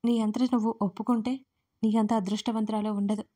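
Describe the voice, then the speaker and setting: A woman's voice: medium pitch, little pitch movement, brisk, dark tone, lightly acted. A woman voicing a threatening young man who bullies the heroine in an audio story. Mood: menacing. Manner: threatening, mocking. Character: menacing young man, a cruel villain.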